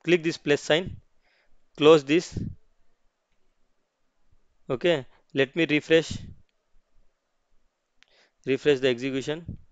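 A man hosting a screen-recorded software tutorial, explaining each step as he clicks, with frequent restarts and "okay, see" asides. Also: fairly high pitch, steady tone, slow pace, long pauses, no echo, muffled recording. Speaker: tutorial host.

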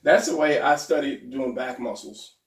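A man teaching how to draw the torso as he sketches. His voice is going hoarse, and he trails off and mutters while he works. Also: mid-range voice, normal speed. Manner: talks while drawing, trailing off and muttering to himself. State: losing his voice. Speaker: art instructor. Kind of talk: drawing tutorial while sketching. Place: indoors at a desk. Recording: roomy, slightly distant mic.

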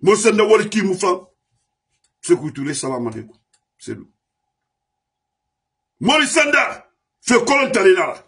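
A man from Guinea with a high, husky voice holds forth in an impassioned political monologue. He speaks as a diaspora commentator and drives his complaints home with repeated refrains. His voice often climbs into shouts. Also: sing-song, normal speed, pauses often. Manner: heated, rising to shouts, lists grievances with repeated refrains.

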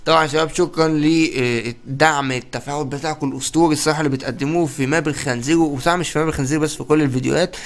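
Young man, Egyptian Arabic accent, gaming host, very fast talker, excitable play-by-play. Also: a little high. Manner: energetic, exclamatory, rapid-fire. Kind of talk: excited gameplay commentary.

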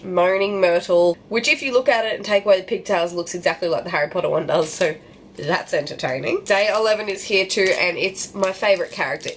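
A young woman with a nasal voice talks in a loose, self-mocking, bubbly way as she unboxes toys for her home vlog. Her voice sits at an ordinary pitch for a woman. It carries the bounce of a bare, echoey room, with a light hiss underneath. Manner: chatty and self-mocking, bubbly over small finds. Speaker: book vlogger. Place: home living room and bedroom, indoors.

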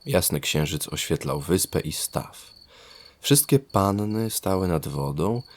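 Deep, creaky male storyteller. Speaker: storyteller, narrator. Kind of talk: scripted fairy-tale narration.

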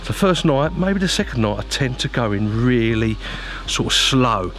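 A man's voice: mid-range voice, expressive, moderate pace, fairly bright tone, a little hiss or hum. A man chatting casually to viewers as an angler presenting a vlog, informal and matey, giving practical advice.

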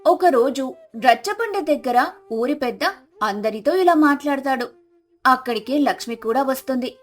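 A woman's voice: sits high, expressive, moderate pace. A woman narrates a scripted tale. Faint flute music runs behind her.

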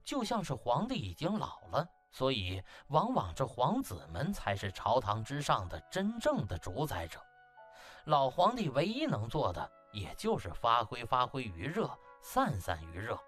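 A man's voice: medium pitch, huge pitch swings, normal speed, a bit bright, faint music behind. A man narrating an audiobook as dramatic scripted storytelling, in a theatrical, emphatic manner.

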